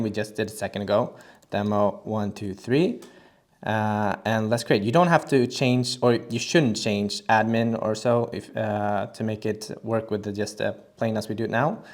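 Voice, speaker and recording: Relaxed man walking through a software setup. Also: on the low side. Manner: relaxed, talks with frequent uh fillers and restarts. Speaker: software tutorial presenter. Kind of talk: casual screen-recorded tutorial walkthrough.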